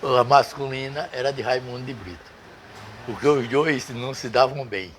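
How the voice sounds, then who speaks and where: An older man, a doctor reminiscing in casual conversation, halting and searching for names. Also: mid-range voice, a bit bright, slight background noise. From Brazil. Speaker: guest doctor.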